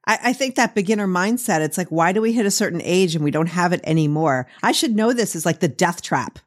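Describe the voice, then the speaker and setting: A woman's voice: on the low side, animated, fairly quick. A woman hosting an interview podcast, asking questions in a conversational way. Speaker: podcast host.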